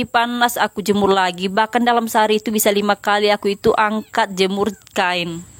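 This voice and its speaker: A woman talks at a fairly high pitch with fairly even intonation. The recording is very clean, with a silent background. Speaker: housewife vlogger. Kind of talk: voice-over narration of daily chores vlog. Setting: dubbed voice-over at home. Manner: casual, stumbling over words.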